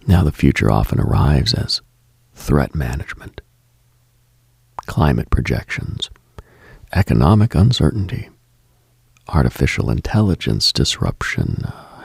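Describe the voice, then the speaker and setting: Gravelly whispering late-night male host. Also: darkish tone, no echo, clean studio sound. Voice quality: gravelly low voice, often dropping to a whisper. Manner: measured, contemplative, lists in short phrases. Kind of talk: slow reflective late-night monologue.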